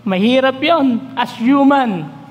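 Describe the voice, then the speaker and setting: A man with a Filipino accent preaching a sermon as pastor, reading verses slowly and then putting questions to the congregation. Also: very high voice, lively intonation, a little hiss or hum. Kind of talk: Taglish sermon. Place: church. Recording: long church-hall reverb.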